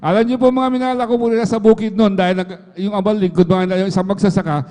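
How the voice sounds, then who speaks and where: Middle-aged man testifying in church, keeps addressing the listeners, quick and monotone delivery. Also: sits high. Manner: fills nearly every phrase with a repeated address to the listeners. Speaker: church member giving testimony. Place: church hall. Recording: echoey church hall livestream.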